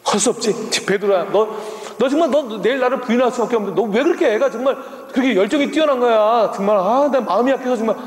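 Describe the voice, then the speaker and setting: A man's voice: very high-pitched, quick pace, hardly any pauses. A man voicing a tender-hearted Jesus who fusses fondly over a disciple, with exasperated pleading, in an echoing hall. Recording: echoey hall with long reverb.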